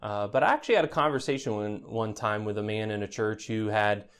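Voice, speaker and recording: A man's voice: fairly low pitch, fairly quick, a bit bright, clear, resonant tone. A man preaching an expository sermon as pastor, in a conversational teaching manner, often tossing rhetorical "right?" questions to the congregation with a touch of dry teasing humor.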